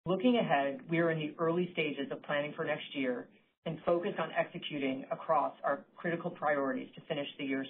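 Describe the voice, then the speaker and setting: A woman finance executive reading prepared earnings call remarks in a formal, measured way. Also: deep voice. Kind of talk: scripted earnings call presentation. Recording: narrowband conference phone line.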